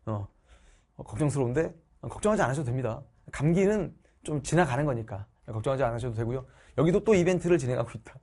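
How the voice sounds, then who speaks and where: A gravelly, warm, husky mid-range voice belongs to a middle-aged man teaching social studies online. He's getting over a cold and chats casually, speaking to viewers as his students.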